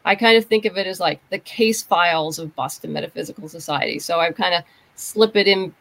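A woman's voice: on the low side, brisk, creaky, fairly bright tone, rough recording. A woman speaking as a guest in a casual interview, explaining her work as a writer and producer. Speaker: writer and audio drama producer, podcast guest.

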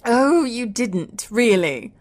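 Woman acting a wry, sharp-tongued female lover for audio drama: high, very animated, expressive. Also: slow pace, exaggerated voice. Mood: outraged, sardonic. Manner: expressive, sardonic, swearing.

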